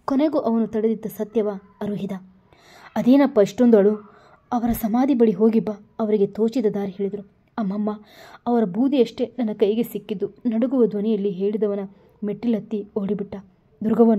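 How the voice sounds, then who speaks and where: A woman narrating a romantic story, voicing every character herself and singing some lines slowly. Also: medium pitch, mellow, breathy edge. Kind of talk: scripted story narration with voiced dialogue.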